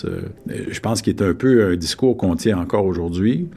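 Deep gravelly Franco-Ontarian man. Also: normal speed. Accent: Franco-Ontarian French. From northeastern Ontario, Canada. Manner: relaxed, hesitant with many restarts. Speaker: university rector, guest. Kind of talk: casual interview talk. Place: radio studio.

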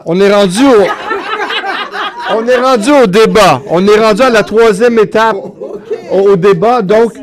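A man's voice: sits high, unhurried, pauses often, a crowd in the background. A man moderating a debate, hesitant and full of fillers as he hands out turns and keeps time.

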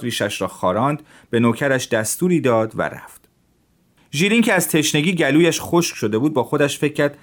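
A man reading a translated classic story aloud as a calm narrator for teenagers. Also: mid-range voice.

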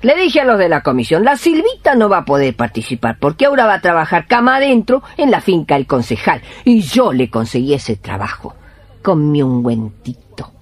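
A woman's voice: sits low, very animated, a little fast, no room sound. Swooping, bossy old Argentine healer woman. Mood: bossy, triumphant. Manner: folksy, scolding, repetitive. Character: bossy, meddling old village healer woman, tender and scolding. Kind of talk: Spanish-language radio drama acting.

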